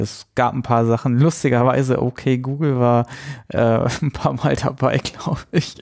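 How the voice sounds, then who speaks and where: A man's voice: medium pitch, vocal fry, darkish tone. A man talking casually as a podcast co-host, thinking aloud in a hesitant way.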